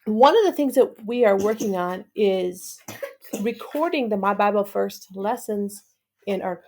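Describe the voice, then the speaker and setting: A middle-aged woman, a missionary mother, calmly answering and prompting her child with questions. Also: medium pitch, unhurried, a little hiss or hum. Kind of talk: conversational interview answers.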